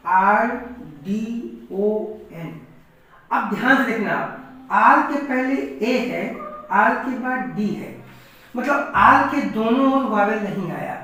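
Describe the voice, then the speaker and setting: Slow-spelling male teacher in an echoey room. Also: very high voice, lively intonation, bright, forceful tone, far from the mic. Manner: spells words letter by letter and explains slowly; clears throat often. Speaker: English teacher. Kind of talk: classroom lesson.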